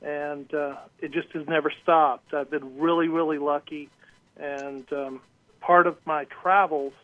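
A man from Georgia, a radio guest telling stories casually and pausing mid-sentence. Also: fairly high pitch, steady tone, no room sound. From Georgia, United States. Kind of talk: casual autobiographical storytelling. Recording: tinny phone line.

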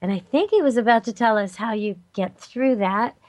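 A woman with a slightly higher voice hosts a pet radio show, eager and quick to ask follow-up questions. Her voice is recorded close and dry in a studio. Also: dry recording. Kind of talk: casual radio interview.

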